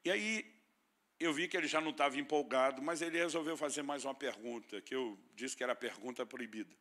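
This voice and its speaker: Bright-voiced Brazilian preacher telling stories. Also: male voice, medium pitch, fast talker. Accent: Brazilian Portuguese. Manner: storytelling preacher with playful humor. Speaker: pastor. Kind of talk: sermon.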